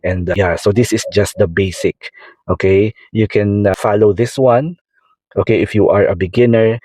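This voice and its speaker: A man's voice: lowish voice, normal speed, warm tone, dry recording. A man from the Philippines with a Filipino accent and Tagalog as his first language, talking casually through an art tutorial, rambling and repeating himself with many fillers. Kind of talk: casual tutorial talk over drawing.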